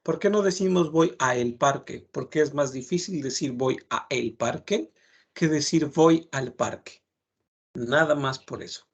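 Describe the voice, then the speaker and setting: A man teaching a French lesson, explaining patiently and repeating words slowly to model pronunciation. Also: on the high side, breathy edge.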